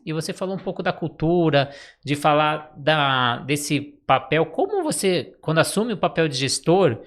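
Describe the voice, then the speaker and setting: A man's voice: on the high side, a bit bright. A man hosting a podcast interview, asking long, thoughtful questions. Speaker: podcast host.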